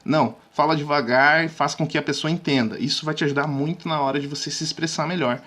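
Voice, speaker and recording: A man with a fairly high voice coaches his viewers on speaking, casual and direct. He checks in with them often and sometimes sinks to a hush to make a point. His delivery is lively and conversational. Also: fast talker. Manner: lively, drops suddenly to near-whispers to show technique; chatty, addresses viewers directly with frequent "tá?". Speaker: communication coach. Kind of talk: casual video lesson.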